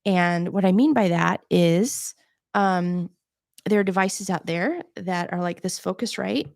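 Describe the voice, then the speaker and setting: A soft-voiced woman hosting a live podcasting Q&A, chatting casually while she shows gear on camera. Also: on the low side, unhurried, creaky, no echo, studio quality. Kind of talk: casual live-stream tutorial.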